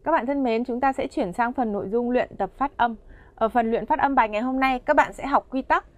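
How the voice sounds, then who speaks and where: A woman's voice: fairly high pitch, a little fast. A woman narrating a language course, addressing learners directly and explaining the lesson in a friendly, explanatory way.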